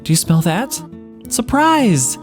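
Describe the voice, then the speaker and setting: A man voicing a gentle, doting motherly woman monster from a video game, with a hesitant, fussing, tender manner. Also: very high-pitched, very animated, slow pace, faint music behind, pitched above the performer's own voice, heavily acted. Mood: cheerful, flustered. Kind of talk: video game character read-along.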